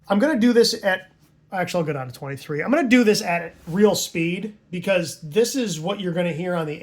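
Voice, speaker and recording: A man with a noticeably high voice teaches in an informal tutorial style. He talks conversationally, like a hobbyist explaining things to newcomers, and often adds short tags to make sure the listener is following. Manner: conversational, checks understanding with tags like "right?" and "okay?". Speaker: amateur radio hobbyist teaching Morse code.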